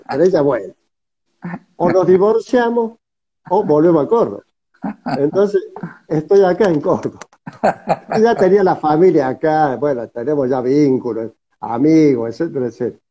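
Old guy in his 70s, cordoba argentine spanish, raspy voice, chatting casually, dull video call sound. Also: fairly high pitch, normal speed. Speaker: interview guest, theatre director. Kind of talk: casual storytelling conversation. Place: indoor room, video call. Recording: slightly muffled video-call audio.

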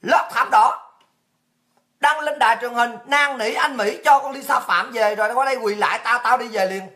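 A woman's voice: fairly high pitch, normal speed, bright, forceful tone. A woman from Vietnam hosting a livestream show, delivering an abusive, mocking tirade full of rhetorical questions. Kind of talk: livestream rant.

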